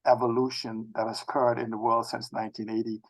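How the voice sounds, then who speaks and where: A man in his sixties from the Bahamas with a Bahamian accent, talking as an interview guest in a halting, circling way with repeated phrases. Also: mid-range voice, flat delivery, poor audio. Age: 60s. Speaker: interview guest, technology expert. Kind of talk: conversational autobiographical interview talk.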